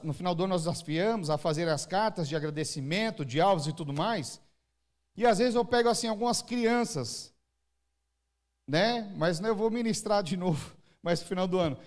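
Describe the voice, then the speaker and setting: High-voiced Brazilian pastor preaching. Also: male voice, moderate pace. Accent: Brazilian Portuguese, São Paulo area. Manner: animated preaching, acts out crying babies and parents. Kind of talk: sermon. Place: church service.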